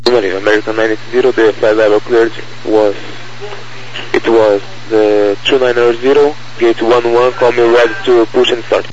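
Man on air traffic radio, very flat delivery, procedural, bit of hiss. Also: medium pitch, measured pace. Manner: procedural, monotone. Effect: radio transmission. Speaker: aviation radio operator. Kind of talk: aviation radio clearance readout. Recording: dull, faintly noisy aviation radio.

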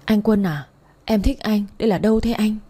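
A woman's voice: medium pitch, brisk, warm tone, breathy edge, lightly acted. Woman playing a drunk, heartbroken young woman. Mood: lovesick. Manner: slurred, pleading.

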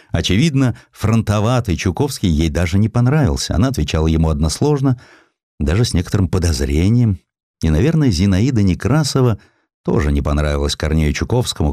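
A man's voice: sits low, dark tone, no echo, clean studio sound. A man narrating a historical audiobook in a dramatic, theatrical storytelling manner.

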